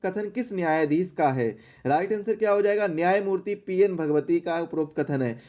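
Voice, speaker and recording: A man's voice: high voice, warm tone. A man teaching an exam question-and-answer lesson in a didactic way, repeating key phrases for emphasis.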